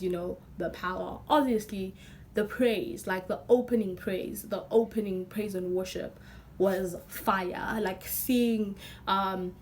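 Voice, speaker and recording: A young woman with a hoarse, nearly lost voice, talking excitedly and rambling with many fillers in a casual vlog. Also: medium pitch, a little hiss or hum. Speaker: vlogger.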